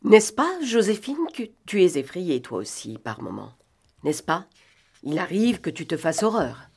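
An insistent young gentleman pressing hard questions, as a woman reading the novel gives him voice. Her very low voice stays firm and questioning. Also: very animated, unhurried, slightly rough, heavily acted. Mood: probing. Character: probing stern young gentleman. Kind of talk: audiobook reading.

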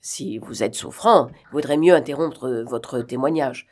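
A woman's voice: very deep voice, a little slow, darkish tone. A woman reading the lines of a stern male court president who fires questions at witnesses. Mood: questioning.

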